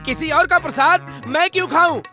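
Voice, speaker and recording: A man's voice: very high-pitched, moderate pace, bright, forceful tone, faint music behind, exaggerated voice. A proud, touchy village headman. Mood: indignant. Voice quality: indignant, boastful. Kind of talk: Hindi film dub acting.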